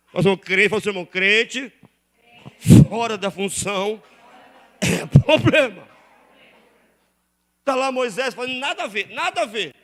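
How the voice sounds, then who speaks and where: A Brazilian pastor preaching a sermon in a church, calling on the congregation to repeat phrases and respond aloud. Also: male voice, high voice, fairly bright tone. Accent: Brazilian Portuguese. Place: church sanctuary.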